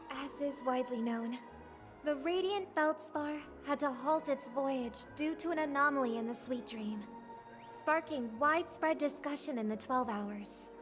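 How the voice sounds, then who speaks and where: An actress playing a poised young woman giving a formal festival speech in a game, with a ceremonial announcer delivery. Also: sits high. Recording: game audio with music behind.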